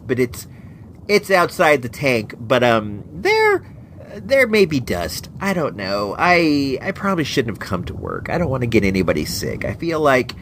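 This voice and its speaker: A man's voice: mid-range voice, a little hiss or hum. A man hosting a podcast in a casual, joking ramble, all stuffed up and nasal from a cold. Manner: playful, rambling, animated. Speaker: podcast host. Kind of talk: casual comedic monologue.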